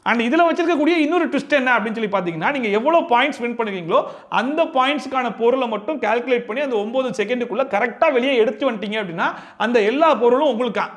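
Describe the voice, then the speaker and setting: Man, reality show commentary, sarcastic, animated, quick patter, unusually high pitch. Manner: sarcastic, animated, rhetorical questions. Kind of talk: fast opinionated commentary.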